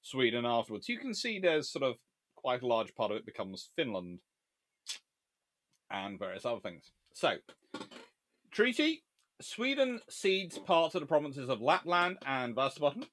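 Animated, sarcastic male history lecturer. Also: medium pitch, moderate pace.

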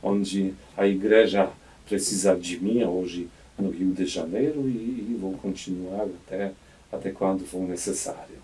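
A man's voice: low voice, fairly even intonation, measured pace, mellow, far from the mic, poor audio. A man in his fifties, a bishop from Poland with a Polish accent, speaking in a radio studio interview, reflective and hesitant with many restarts. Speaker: auxiliary bishop. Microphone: studio mic on boom arm.

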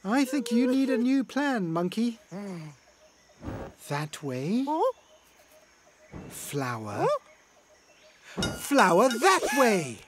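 An expressive narrator telling a children's cartoon story, reacting to the action with exclamations and questions. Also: mid-range voice, drawn-out words, long pauses, background noise. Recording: music behind the voice. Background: cartoon music.

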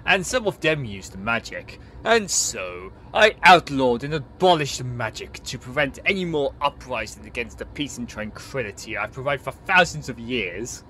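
A man's voice: mid-range voice, expressive, moderate pace, few pauses, bright, forceful tone. A man voicing an ancient, cold tyrant ruler in an AI body in an amateur audio play, pompous and menacing.

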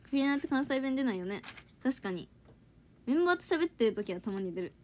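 A woman's voice: high-pitched, big pitch swings, fast, slight background noise. Giggly young woman chatting to fans. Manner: chatty, giggly, reads and answers viewer comments. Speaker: idol trainee livestreaming to fans. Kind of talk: casual livestream chat.

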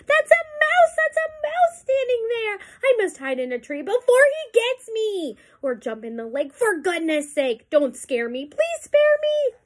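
A woman's voice: high-pitched, normal speed, hardly any pauses, natural voice. A woman voicing a big, anxious, apologetic elephant in a children's storybook, with dramatic exclamatory delivery. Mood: terrified.

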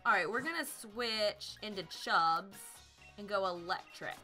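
A woman's voice: medium pitch, a little slow, bright, forceful tone, faint music behind. A young woman in her twenties chatting and reacting while live-streaming a game, her voice a little tired from nights of streaming, laughing and singing along now and then. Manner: chatty, bubbly, laughs often, sings along. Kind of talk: live gameplay commentary.

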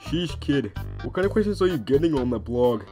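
An actor playing a laid-back, wry skeleton in a cartoon comic dub, lazy and deadpan in delivery. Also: male voice, medium pitch, brisk, music in the background, lightly acted. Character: laid-back, wry male skeleton, big brother type.

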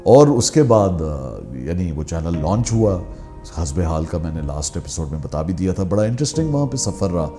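A middle-aged man from Pakistan, recounting his career in media as an animated storyteller who mixes English phrases into his talk. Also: low voice, normal speed, faint music behind. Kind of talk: candid memoir conversation.

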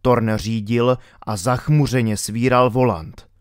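A man reading a thriller audiobook with steady, dramatic storytelling. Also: medium pitch, clean tone, no echo, studio quality. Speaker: audiobook reader. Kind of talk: audiobook narration.

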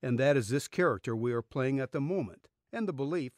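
A middle-aged man reading a spiritual essay as an audiobook narrator, earnest and deliberate, close on a studio microphone in a small booth. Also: medium pitch, lively intonation, no room sound. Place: small dim recording booth. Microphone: studio condenser microphone, close.

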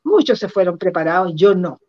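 An older woman with a Chilean accent recounts personal stories reflectively in an interview, halting and repeating words for emphasis over a video call. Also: fairly low pitch, lively intonation, dry recording. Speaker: guest performance artist. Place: indoor room at home. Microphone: computer mic on a video call. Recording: dull lo-fi video call audio.

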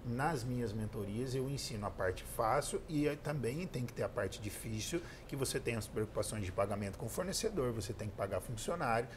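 A man's voice: medium pitch, animated, brisk, few pauses, noisy background. A man in his thirties with a Brazilian accent, a guest answering interview questions in an earnest storytelling way. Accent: Brazilian Portuguese. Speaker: guest entrepreneur and speaker. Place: pink decorated studio set, indoors.

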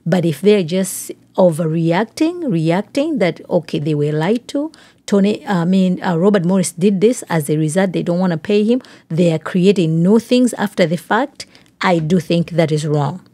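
A woman's voice: lowish voice, dark tone, no room sound. A woman hosting a podcast, reading news aloud and commenting on it, putting questions straight to the listener. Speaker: podcast host.

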